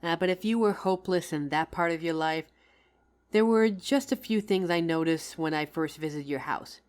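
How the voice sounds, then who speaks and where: A woman's voice: lowish voice, normal speed, darkish tone, smooth, natural voice. A woman playing a loving, tired career-woman wife in an intimate audio roleplay, speaking tenderly and teasingly as if to her husband. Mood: fond teasing.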